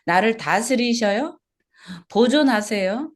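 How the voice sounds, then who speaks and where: Lively woman pastor preaching a sermon. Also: on the high side, takes it slowly. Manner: asks the congregation questions and repeats key words. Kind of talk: expository sermon. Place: small church service.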